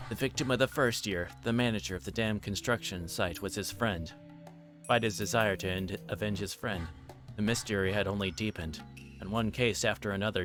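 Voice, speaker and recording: A man's voice: lowish voice, fairly bright tone. A man livestreaming a visual novel, reading its narration aloud and chatting with viewers. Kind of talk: narrating a game with asides to chat.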